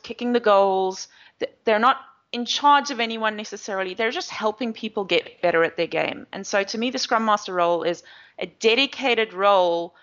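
A woman's voice: mid-range voice, fairly bright tone. A woman with a South African accent, an agile coach giving long, chatty interview answers with plenty of fillers. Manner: chatty, explanatory, many fillers. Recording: slightly dull audio.

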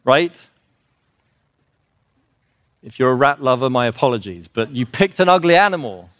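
A man's voice: medium pitch, expressive, moderate pace, a bit bright, no room sound. A man giving an informal, earnest lecture, explaining with fillers and restarts and growing emphatic on his key points. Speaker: speaker on children's literature.

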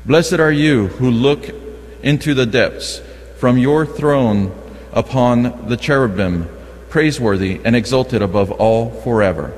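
A man's voice: medium pitch, measured pace, darkish tone. A man formally reading scripture and a canticle as lector in a large, echoing church. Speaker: lector at Mass. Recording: long echoing church reverb.

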